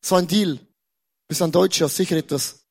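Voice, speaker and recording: A man's voice: high-pitched, steady tone, brisk, vocal fry. A man from Switzerland with a Swiss German accent preaching a playful sermon, stumbling over repeated words and joking with the audience. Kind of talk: lively humorous sermon.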